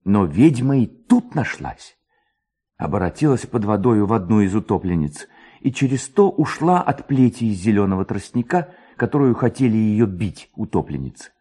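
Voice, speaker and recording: A man's voice: on the low side, sing-song, moderate pace, dark tone, husky. A man voicing a young village lad telling eerie legends with dramatic, suspenseful tenderness in a literary audiobook. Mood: mysterious, dramatic.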